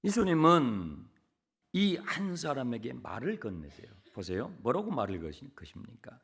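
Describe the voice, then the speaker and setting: A man preaching a sermon from the pulpit. He drops to hushed whispers, then repeats words loudly for emphasis, and keeps asking the congregation questions. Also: mid-range voice, sing-song, moderate pace, creaky, breathy edge. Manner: swings between hushed whispers and loud emphatic repetitions; conversational, asks the congregation questions. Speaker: pastor. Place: church sanctuary pulpit.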